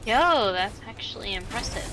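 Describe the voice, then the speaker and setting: A woman's voice: medium pitch, animated, normal speed. A woman chatting casually as a co-player on a gaming stream, with game music behind her. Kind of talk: casual chat.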